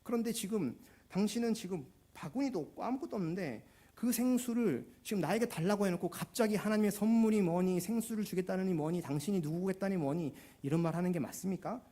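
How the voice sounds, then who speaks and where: A man's voice: sits high, animated, fast, warm tone, husky. A man voicing a skeptical woman at a well who mocks and challenges with pointed questions, in a church sermon. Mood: sarcastic.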